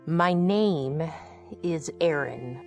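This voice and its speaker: Slow, low-voiced mysterious amnesiac. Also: female voice, expressive, darkish tone, faint music behind, full character voice. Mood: guarded, firm. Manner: measured, deliberate. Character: guarded amnesiac woman piecing her identity together. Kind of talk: audio drama acting and narration.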